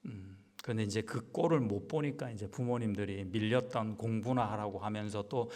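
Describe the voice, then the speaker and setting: A man's voice: on the low side, normal speed, darkish tone. A man pastor preaching a Wednesday sermon in a conversational style, asking the congregation rhetorical questions. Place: church sanctuary. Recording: long church hall reverb.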